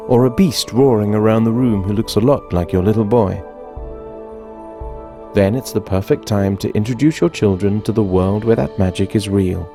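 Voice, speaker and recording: A man doing a clear, persuasive commercial and training voice-over. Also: fairly low pitch, normal speed, warm tone, soft background music.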